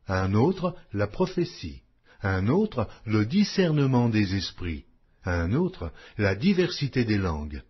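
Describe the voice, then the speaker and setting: A man reading scripture aloud as a scripted audiobook, solemn and measured, with declamatory phrasing. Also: mid-range voice, breathy edge. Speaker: audiobook Bible reader. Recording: dull lo-fi audio.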